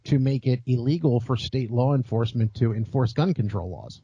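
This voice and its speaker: A man with an American accent chatting casually in a halting, wry way. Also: medium pitch, mellow, breathy edge, no echo, lo-fi sound. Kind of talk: casual chat.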